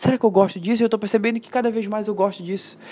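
A woman at medium pitch speaks with fairly even intonation. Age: 20s. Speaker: podcaster. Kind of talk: solo monologue podcast. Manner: halting.

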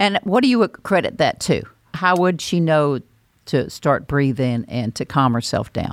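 In a Southern US accent, the voice makes very wide pitch swings at a fairly slow pace. The recording is very clean with a silent background. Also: woman, very deep, low pitch for a woman. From North Carolina. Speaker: podcast host, education expert. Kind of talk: interview podcast.

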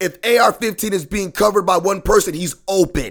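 At a moderate pace, a man with a high pitch speaks with ordinary pitch variation in a very clean recording with a silent background. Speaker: sports podcast host. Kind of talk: angry rant about a losing football team, solo monologue. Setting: home podcast studio, alone. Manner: furious, shouting, repetitive, exasperated.

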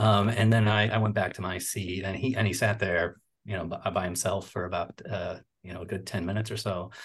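A man with an American accent talks at a fairly quick pace in a somewhat breathy, fairly low voice. His intonation is fairly even, and the background is quiet. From Oklahoma. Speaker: swim coach. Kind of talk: remembrance interview.

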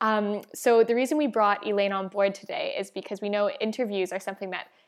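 A woman at a medium pitch against a quiet background. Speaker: podcast host. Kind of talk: casual interview chat.

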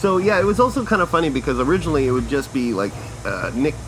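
A man with a Canadian accent, very fast pace and lively intonation, against noticeable background noise. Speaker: podcast host. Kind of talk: casual comedic monologue. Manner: irreverent, chatty.

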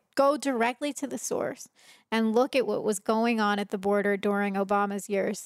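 In an unremarkable speaking voice with an American accent, a woman talks at medium pitch and a moderate pace, the sound dry and close with no echo in a very clean recording with a silent background. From Trenton, New Jersey. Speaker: beauty brand founder. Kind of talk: casual interview.

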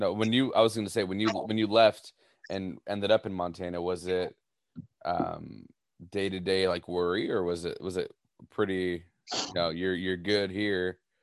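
In an American accent, a man with a very deep, low pitch talks at a moderate pace in a monotone, flat intonation against a quiet background. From California. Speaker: podcast host. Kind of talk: casual interview.

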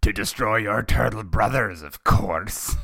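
Putting on a menacing character voice, a man talks at a fairly low pitch and a fairly slow pace. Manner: menacing, villainous.

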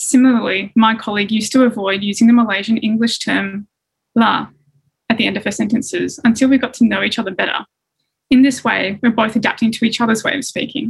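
Speaking with a Melbourne accent, a woman talks at a fairly quick pace with fairly high pitch and fairly even intonation. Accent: Australian, somewhat Melbourne city-leaning. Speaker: user researcher. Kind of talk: talk to an audience.

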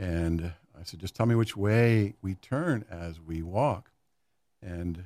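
A man with an Upper Midwest accent speaks in a dark, mellow tone with ordinary pitch variation, on a very clean recording with a silent background. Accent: Upper Midwest American. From Michigan, Grand Rapids. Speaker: village council president. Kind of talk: interview.

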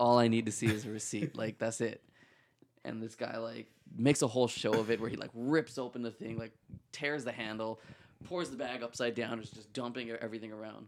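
A man with a Canadian accent in a normal speaking voice, medium pitch, fairly quick pace, fairly even intonation and big swings in loudness. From Canada, Toronto (Scarborough). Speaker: photographer and designer. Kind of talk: casual chat.

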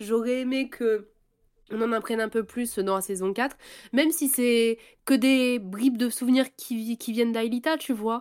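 A woman speaks at a fairly slow pace and a fairly high pitch in an animated tone, on a very clean recording with a silent background. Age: 20s. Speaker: cosplayer and fan. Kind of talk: casual chat.

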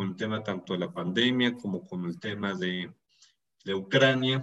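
A man talks at a fairly slow pace. His pitch sits in the medium range, with ordinary variation. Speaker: professor and security analyst. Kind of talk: interview. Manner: halting.

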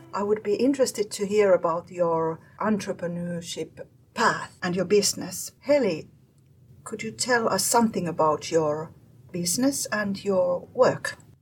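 A woman's medium-pitched voice with a Finnish accent, ordinary pitch variation and a fairly slow pace. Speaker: podcast host and vocational teacher. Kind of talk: casual chat.

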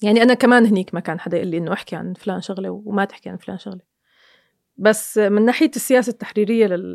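A very fast delivery in a Syrian accent, with vocal fry, big swings in loudness, and a dry, close sound with no echo. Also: woman. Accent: Levantine Arabic (Syrian). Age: 30s. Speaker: TV presenter. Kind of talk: interview.

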